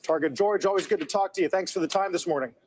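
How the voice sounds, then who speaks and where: A man's voice: high voice, fast talker, no echo. A man anchoring a business TV interview, asking polished, leading questions of his guest. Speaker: TV news anchor.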